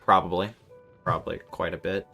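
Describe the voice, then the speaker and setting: A man's voice: low voice, flat delivery, fairly quick, vocal fry, bright, forceful tone. Rambling male game streamer, music behind. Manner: sweary, rambling, repeats himself. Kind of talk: casual live stream chat and gameplay commentary.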